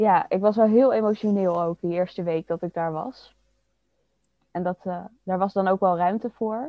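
Her voice sits at a medium pitch with ordinary variation. The woman talks at a moderate pace. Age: 20s. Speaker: podcast guest sharing personal experience. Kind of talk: personal testimony in interview. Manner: hesitant, many fillers.

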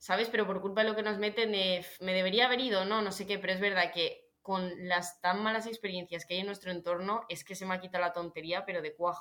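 A woman with a normal speaking voice talks at a fairly quick pace with hardly any pauses, her medium pitch and fairly even intonation. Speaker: podcast co-host, university student. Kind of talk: casual chat. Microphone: recorded too quiet.

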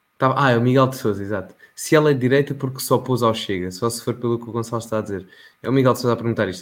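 On a very clean recording with a silent background, a man at a medium pitch speaks at a very fast pace. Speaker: political podcast host. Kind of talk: casual political debate.

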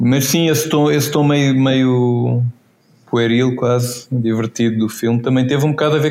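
In a European Portuguese accent, a man speaks at a moderate pace with a medium pitch and a monotone, flat intonation. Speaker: photographer and videomaker. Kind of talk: casual chat.

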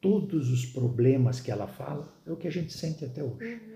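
A man with vocal fry speaks at a medium pitch, his tone dark and mellow, with audible echo from the room. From Brazil. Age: 60s. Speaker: surgeon and medical professor. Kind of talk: interview.

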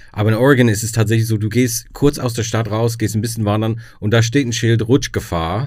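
At a fairly quick pace with hardly any pauses, a man speaks in a somewhat breathy, medium-pitched voice, in a very clean recording with a silent background. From USA. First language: English (speaking German). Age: 50s. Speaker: stand-up comedian. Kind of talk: casual chat.

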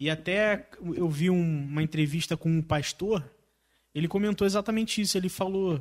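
In a very clean recording with a silent background, a high-pitched man speaks with a Brazilian accent at a moderate pace. His loudness stays very even, with ordinary pitch variation. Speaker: podcast co-host. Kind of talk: casual interview.

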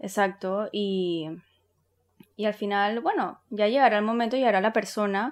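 The woman uses a plain, everyday voice, fairly high with ordinary pitch variation, at a fairly slow pace. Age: 30s. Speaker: psychologist and teacher, podcast co-host. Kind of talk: casual chat.

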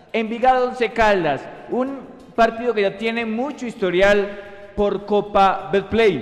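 Over noticeable background noise, a man talks in a high pitch with fairly even intonation. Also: fairly slow pace. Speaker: sports radio reporter. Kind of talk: radio sports talk.

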